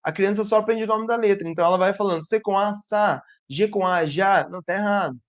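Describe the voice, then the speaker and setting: A man teaching a literacy lesson who sounds out letters and syllables slowly and asks his audience rhetorical questions. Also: sits high. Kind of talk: teaching lesson to educators and parents.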